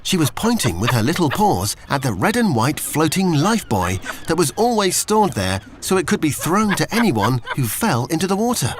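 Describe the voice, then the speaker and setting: A man's voice: on the high side, sing-song, moderate pace, hardly any pauses, background noise. A man with a British accent reading a scripted children's story, expressively, as a storyteller to young children.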